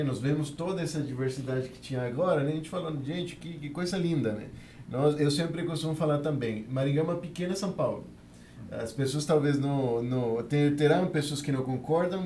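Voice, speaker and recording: Man, mellow voice, roomy sound. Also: mid-range voice, slight background noise. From Venezuela. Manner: earnest, tags nearly every phrase with a questioning "né". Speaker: guest, immigrant community worker. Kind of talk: podcast interview, telling his experience.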